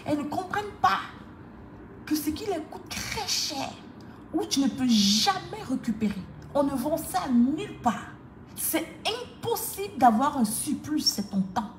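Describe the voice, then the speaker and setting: A woman's voice: sits high, sing-song, measured pace. A woman coach giving a motivational talk to the viewer, emphatic and repetitive in a preaching cadence. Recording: echoey room with faint noise.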